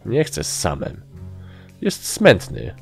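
A man's voice: fairly low pitch, wildly swooping pitch, slow pace, creaky, a little mellow, slightly rough, faint music behind, pitched above the performer's own voice, full character voice. A man voicing a whiny young male sprite soldier who complains at every order. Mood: complaining. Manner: whining, complaining.

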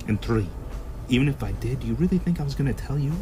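A man's voice: medium pitch, expressive, fast, music in the background, lightly acted. A man acting a foul-mouthed, sly, sarcastic black-market shop boss in a science-fiction audio drama. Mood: defiant. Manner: sarcastic, swearing.

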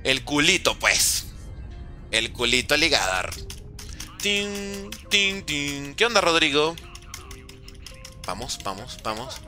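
A man's voice: fairly high pitch, animated, slow pace, pushed and bright. A man streaming gameplay, reading chat aloud in a playful way and making little mouth sound effects. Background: faint background music.

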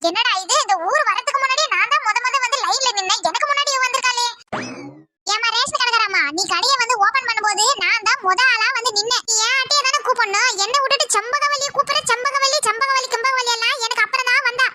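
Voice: very high voice, quick pace, heavy background noise, voice pushed up. A performer voicing an indignant village woman complaining that she was first in line, in a one-person comedy skit.

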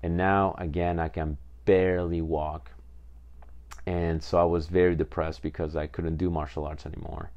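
A man's voice: sits low, level tone, normal speed, a little mellow, dull audio. A man in his twenties from Peru, hosting a podcast and telling his own story in a casual, rambling way with many fillers. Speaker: podcast host.

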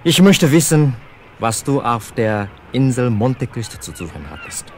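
An actor playing a loyal, shrewd sailor who talks in a gruff, plain-spoken, wry way in a radio play. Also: male voice, mid-range voice, sing-song, measured pace, a little mellow.

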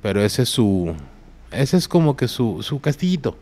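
A man's voice: medium pitch, moderate pace. A man with a Mexican accent, a podcast guest telling a story in slangy casual talk. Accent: Mexican Spanish. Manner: slangy, animated when quoting others.

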